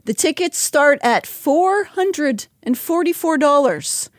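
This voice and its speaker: A woman's voice: sits high, lively intonation, slow pace, no echo, studio quality. A woman hosting a podcast, talking in a wry, chatty way with asides and laughs. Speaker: podcast host. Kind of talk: casual conversational podcast.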